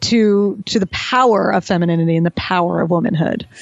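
A woman with an American accent at a moderate pace, ordinary pitch variation, and noticeable background noise. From California. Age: 40s. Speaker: interviewer, athlete. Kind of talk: interview.

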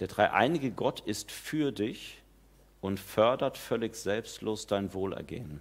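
At a very slow pace, a man speaks in a fairly low pitch with lively intonation on a very clean recording with a silent background. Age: 30s. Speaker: pastor. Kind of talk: sermon.

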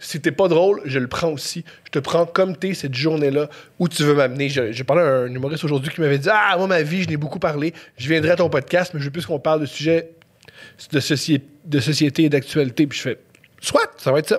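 This man speaks with a Quebec accent and a fairly high pitch. His pace is fairly quick. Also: ordinary pitch variation. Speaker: comedy writer and podcaster. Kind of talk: casual chat.

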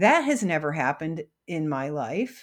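Very wide pitch swings mark a woman's voice in an Upstate New York accent, on a very clean recording with a silent background. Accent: Upstate New York American. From Syracuse, New York. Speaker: nutrition author and public health researcher. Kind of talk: interview.

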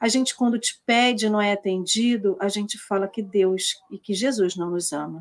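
A woman with an ordinary speaking voice talks at medium pitch with ordinary pitch variation. Her pace is moderate, with hardly any pauses. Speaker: co-host, spiritist speaker. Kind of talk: casual talk on spiritist study, live stream. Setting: video call, live stream.

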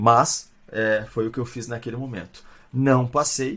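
Fairly even intonation marks this somewhat breathy voice. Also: man. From southern Brazil, Porto Alegre area. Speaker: game studio co-founder and marketing director. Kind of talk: interview. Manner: halting, many repetitions.

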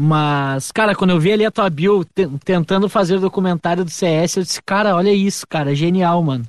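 A high-pitched male voice in a southern Brazilian accent, with ordinary pitch variation, a quiet background and a dry, close sound free of echo. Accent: gaúcho Brazilian Portuguese. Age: 30s. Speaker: podcast host. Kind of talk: casual interview.

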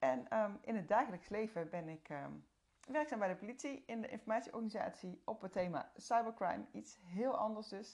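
A woman's voice with vocal fry, lively intonation and a moderate pace. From Noord-Brabant, Netherlands. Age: 30s. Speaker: cookbook podcast host and food blogger. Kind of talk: casual solo podcast monologue. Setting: converted shed used as a small office. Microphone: recorded on phone with earbuds.

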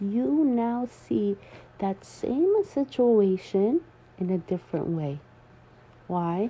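Somewhat breathy and medium in pitch, a woman speaks at a very slow pace with very wide pitch swings. She leaves long, frequent pauses. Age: 30s. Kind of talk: personal spiritual monologue.

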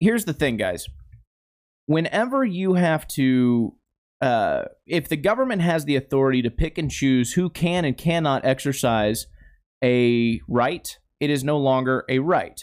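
A man with an American accent talks at a fairly slow pace in an unremarkable speaking voice, pitched fairly high. The recording is very clean, with a silent background. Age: 30s. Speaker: podcast host. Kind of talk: live-stream commentary. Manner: casual with many fillers.

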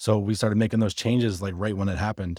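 Here a man with an American accent speaks at a fairly low pitch and a very fast pace. The recording is very clean, with a silent background. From Pittsburgh, Pennsylvania. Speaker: sneaker designer. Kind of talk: casual interview.

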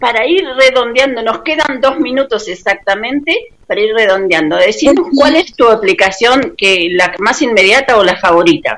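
The speaker has an Argentine accent. The pace is moderate. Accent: Argentine Spanish (Rioplatense). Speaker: radio host. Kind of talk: radio talk show. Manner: serious.

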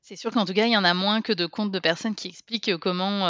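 This woman has a plain, everyday voice with medium pitch. Her intonation is fairly even. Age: 30s. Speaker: law lecturer and researcher. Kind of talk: casual interview.

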